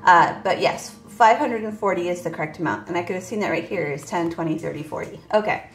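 A woman's voice: fairly low pitch, quick pace, reverberant. A woman in her forties, chatting casually to viewers about her budget while counting cash at a table. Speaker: budgeting vlogger. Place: indoors at a table. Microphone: voice heard over top-down table camera, hands only.

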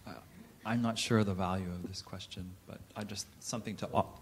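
A man from the audience with a soft voice, asking a question tentatively and modestly. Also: on the low side, fairly even intonation, a little fast, a little hiss or hum. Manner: tentative, self-deprecating. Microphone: handheld microphone.

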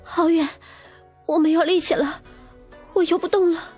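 A woman's voice: very high voice, steady tone, normal speed, music in the background, pitched above the performer's own voice. A woman voicing an emotional, strained young heroine struggling to survive in an audiobook. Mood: exhausted, dejected.

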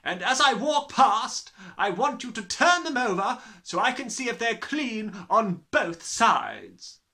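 A huge, hateful storybook headmistress, barks at children with open disgust. The voice leaps high and loud, hard and piercing, leaning slowly on each contemptuous word. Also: male voice, sing-song, exaggerated voice. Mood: menacing. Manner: barking, slow emphatic contempt. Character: gigantic, tyrannical, disgusted middle-aged headmistress, barking and contemptuous.

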